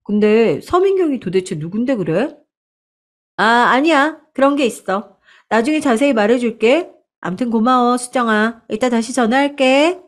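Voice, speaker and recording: A self-assured young woman student, pert and cheeky, never backing down. Her voice sits a touch high, as a woman narrator puts her on. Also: animated, normal speed, lightly acted. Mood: friendly. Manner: pert, confident talking back.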